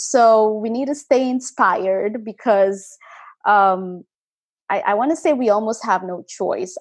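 A woman's voice: mid-range voice, darkish tone, dry recording. A woman from Kenya, a guest in an interview, talking casually with frequent fillers and restarts.

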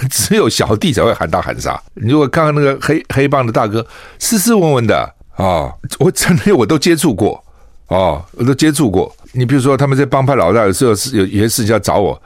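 On a studio microphone with a dry, studio-quality recording, an older man from Taiwan hosts a radio talk show. His mid-range voice swings widely in pitch and moves fairly quickly as he offers opinionated commentary full of scolding rhetorical questions.

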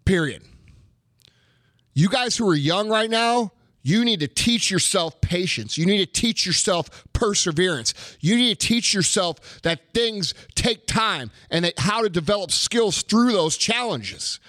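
Guy with a high voice going off on a sweary motivational rant, super blunt, dry close sound. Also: expressive, measured pace, a bit bright, no echo. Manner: blunt, emphatic, heavy swearing. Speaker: motivational speaker. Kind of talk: profane motivational rant to camera.

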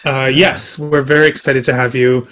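A man's voice: medium pitch, level tone, normal speed, fairly bright tone. A man co-hosting a casual podcast, teasing and meandering through his descriptions. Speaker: podcast co-host.

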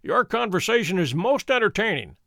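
A man doing a calm, dry-witted detective. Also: sits high, a little fast, vocal fry, no echo, voice pushed up, heavily acted. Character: cool, witty adult male detective, calm and bland.

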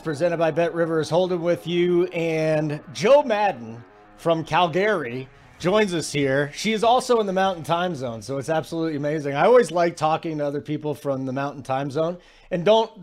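A man's voice: a little high, a little mellow. A man hosting a sports betting radio show, talking in an emphatic, casual way and often asking "okay?".

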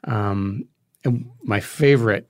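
A man being interviewed as a guest, explaining history in a conversational, halting way as he thinks aloud. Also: fairly low pitch, dry recording, studio quality. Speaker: interview guest, filmmaker and podcast creator.

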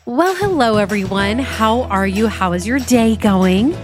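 A woman's voice: on the high side, lively intonation, a little slow, music in the background. A middle-aged woman, hosting a solo business podcast with a stuffy, nasal voice and an upbeat, chatty manner. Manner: upbeat, chatty, lots of y'all. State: stuffy nose. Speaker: podcast host and business coach.

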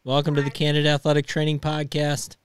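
A man's voice: fairly high pitch, monotone, fast talker, clean tone. A man with a Wisconsin accent co-hosting a podcast, bantering in a playful, joking way. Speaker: podcast co-host. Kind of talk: casual chat.

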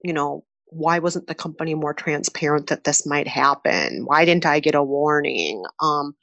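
A woman in her thirties from Minnesota with a Minnesota accent, answering interview questions in a chatty, animated way with frequent fillers and laughter. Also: sits low, moderate pace, no room sound, lo-fi sound. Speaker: podcast host, interviewee. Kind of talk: conversational interview.

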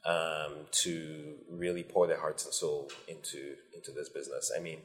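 A man from Nigeria, a company founder, answering interview questions in a measured, thoughtful way with frequent pauses. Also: rumbling low, flat delivery. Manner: measured, thoughtful, many ums.

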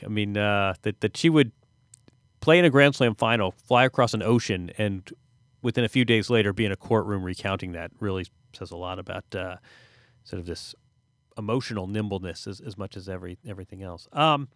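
A man's voice: lowish voice, no echo. A man hosting a conversational sports podcast, speaking in thoughtful, hesitant phrases with dry asides. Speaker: podcast host.

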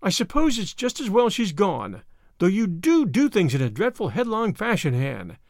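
A man voicing a stern, practical older woman guardian who speaks in a scolding, brisk way. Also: high-pitched, huge pitch swings, dry recording, studio quality, full character voice. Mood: disapproving.

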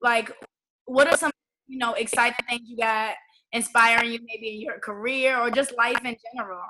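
High bright chatty woman interviewer. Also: level tone, moderate pace, poor audio. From Virginia. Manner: chatty, laughs easily. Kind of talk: casual interview chat.

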